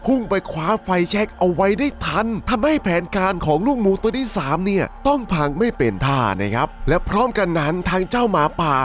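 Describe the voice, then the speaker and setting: A man's voice: high voice, very animated, fairly quick, few pauses, soft background music. A man narrating a dramatic horror story recap, conversationally and politely addressing his listeners as he goes. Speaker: storyteller, channel host.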